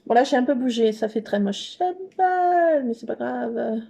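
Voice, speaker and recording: A woman's voice: on the high side, flat delivery, normal speed, vocal fry, dark tone, slightly rough. A woman hosting a scrapbooking channel, chatting casually and gushing as she works at a craft table and talks to herself along the way. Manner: bubbly, gushing. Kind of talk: casual craft tutorial chat.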